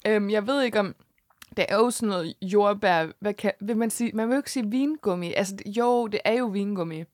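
A woman's voice: medium pitch, a little mellow, no echo, clean studio sound. A young woman, co-hosting a casual podcast in a playful way and swearing freely. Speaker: podcast co-host. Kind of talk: casual chat, candy review.

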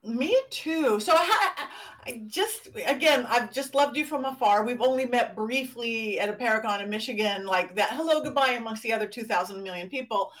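A woman's voice: a little high, normal speed, fairly bright tone, far from the mic. A woman hosting a talk show, chatty and enthusiastic as she teaches a simple spell and interviews a guest. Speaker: host. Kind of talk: podcast host interview and spell lesson.

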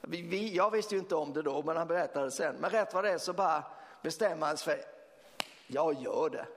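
A man preaching as pastor, telling a story in a lively way with fillers and laughter. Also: on the high side, a little hiss or hum. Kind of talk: sermon storytelling. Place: church hall. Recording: long church reverb.

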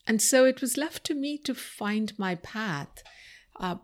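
A woman's voice: on the high side, expressive. A woman from India whose first language is Marathi, thoughtfully answering interview questions about her life and career. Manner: thoughtful, reflective, many pauses and fillers. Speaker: interview guest.

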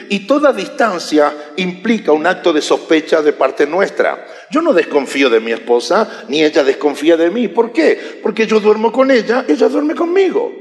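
A man preaching a sermon, animated and joking with his congregation. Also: fairly high pitch. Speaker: pastor. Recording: echoey hall reverb.

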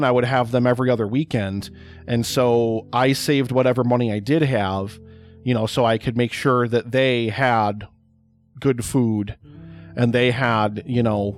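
A middle-aged man with a loud, projecting voice, hosting a podcast and telling a rambling personal story in a casual, chatty way. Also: medium pitch. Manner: rambling, chatty, repeats words for emphasis. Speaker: podcast host.

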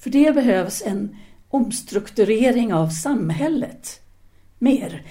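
Mellow-voiced actress as a brainy independent woman teacher, radio play, formal and a bit lecturing, pauses to think. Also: medium pitch, lightly acted. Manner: formal, articulate, didactic, with hesitant pauses. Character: self-assured intellectual French woman teacher, 1930s Paris, independent-minded. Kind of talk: audio drama dialogue.

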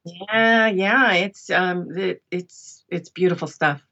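Lady podcast guest just chatting, bright voice, recording a bit dull and lo-fi. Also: lowish voice, takes it slowly. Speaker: podcast guest, audiobook narrator. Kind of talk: casual chat.

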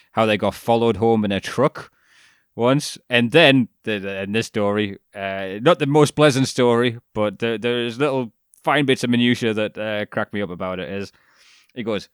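A man's voice: lowish voice, smooth, no room sound, clean studio sound. A man co-hosting a podcast, rambling through a casual chat about a documentary with frequent restarts, fillers and the odd swear word. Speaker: podcast co-host.

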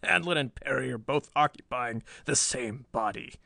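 A man's voice: mid-range voice, moderate pace, gravelly, pushed and bright, dry recording. Mad old scientist villain, played by a male narrator: sullen, sly, theatrical snarl, pulp audiobook, dry close sound. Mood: sullen, boastful. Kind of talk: dramatized pulp story reading.

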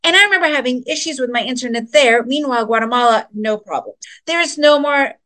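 A woman's voice: high voice, quick pace, pushed and bright. Upbeat chatty woman presenter. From United States. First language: Russian. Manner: upbeat, chatty, addresses audience directly. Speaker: trading presenter. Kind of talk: webinar presentation.

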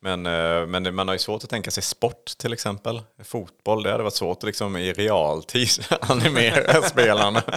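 A man's voice: fairly low pitch, few pauses, fairly bright tone. A man co-hosting a casual podcast, leading the topics and talking with frequent hesitations and restarts. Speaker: podcast co-host. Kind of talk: casual chat.

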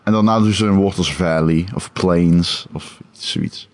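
A man co-hosting a game podcast in casual chat, animated with hesitant restarts and casual swearing. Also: low-pitched, a little slow.

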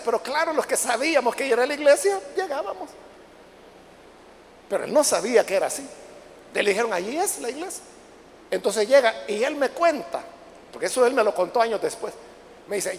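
An older man preaches in a very high, gravelly voice, telling a story with growing emotion. He breaks into shouts at the peaks of the story. The sound comes from a reverberant church hall with faint ambience behind him. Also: a little hiss or hum. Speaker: pastor. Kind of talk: sermon.

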